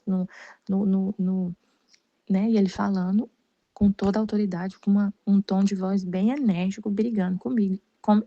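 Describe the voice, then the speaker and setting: A woman's voice: medium pitch, creaky, warm tone, no room sound. Rambling Brazilian woman, dull lo-fi sound. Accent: Brazilian Portuguese. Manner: rambling, many restarts and repeated words. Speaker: Catholic study group leader. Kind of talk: casual personal testimony.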